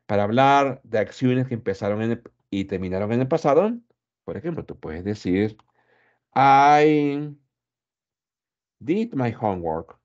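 Male English teacher, low mellow voice, slow patient drills, slightly muffled recording. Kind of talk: English grammar lesson explained in Spanish.

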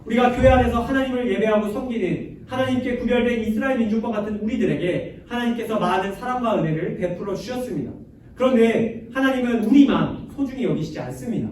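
A man's voice: very high-pitched, quick pace, darkish tone. A young man preaching a youth sermon as a youth pastor, playful and chatty, with jokes and laughs. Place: church sanctuary. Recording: echoey church from far off with faint noise.

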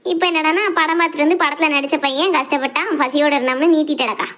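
A gossipy, quarrelsome village woman from a cartoon, put on by a woman. She talks in a shrill, nagging, very high and rapid voice. The audio is dull and lo-fi. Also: fairly even intonation, fairly bright tone. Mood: grumbling. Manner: complaining, teasing, quick banter.

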